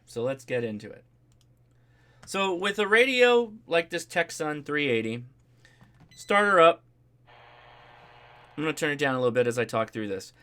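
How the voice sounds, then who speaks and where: A man's voice: medium pitch, bright, forceful tone. A man hosting a livestream, giving a casual, chatty hands-on tutorial and checking in as he explains each step. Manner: informal, chatty, explanatory, checks in with "right?" and "okay?". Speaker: host of a ham radio livestream. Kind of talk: casual live demonstration and tutorial.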